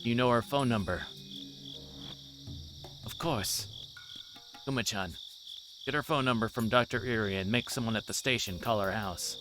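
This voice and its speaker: A man's voice: medium pitch, normal speed, pauses often, noisy background, lightly acted. A man voicing a dogged older police detective near retirement in a visual novel. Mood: brisk.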